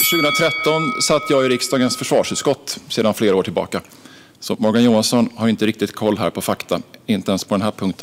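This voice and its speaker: A man talks at a fairly quick pace. Light background noise runs underneath. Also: lively intonation. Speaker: politician, party justice spokesperson. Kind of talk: parliamentary debate speech. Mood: firm, critical. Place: hall. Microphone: podium.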